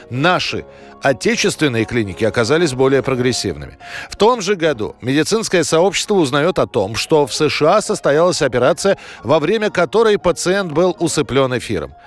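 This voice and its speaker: Higher-pitched male narrator over music. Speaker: presenter of a history programme. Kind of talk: scripted documentary narration. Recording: music under the voice. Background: background music.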